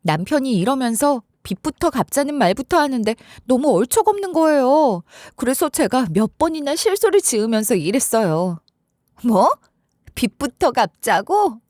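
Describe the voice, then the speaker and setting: A woman narrating a first-person story script for a story radio show in an expressive, lively way. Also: high voice, moderate pace, few pauses, no room sound, clean studio sound.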